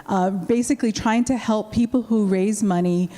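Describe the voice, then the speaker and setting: Woman prof introducing herself on a panel, mellow warm tone, lots of ums. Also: medium pitch, normal speed. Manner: warm, gracious, with many fillers. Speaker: panelist, adjunct professor.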